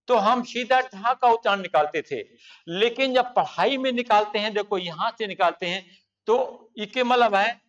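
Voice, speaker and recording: A man's voice: sits high, a bit bright, recorded from a distance, dull audio. A man teaching a grammar lesson for exam preparation, explaining at length and pointing out examples on the board.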